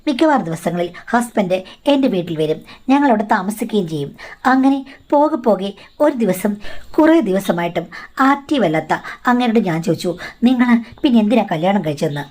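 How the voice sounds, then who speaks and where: A woman's voice: medium pitch, animated, a little fast, a little mellow. Woman telling a confiding first-person story.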